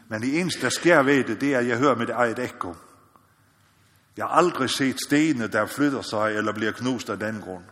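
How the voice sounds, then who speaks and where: A man from the Faroe Islands preaches a sermon at a mid pitch. He talks earnestly, keeps checking in with his listeners, and climbs to loud calls. The room gives his voice a long, ringing reverb. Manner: earnest, repeats "ikke også?", rises to loud exhortation. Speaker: missionary preacher. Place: church or meeting hall.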